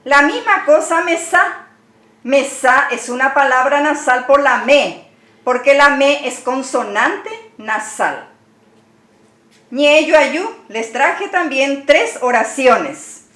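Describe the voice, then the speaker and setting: Slow, bright-voiced woman teaching a language lesson. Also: sits high, lively intonation, echoey room. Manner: patient, spells words out letter by letter.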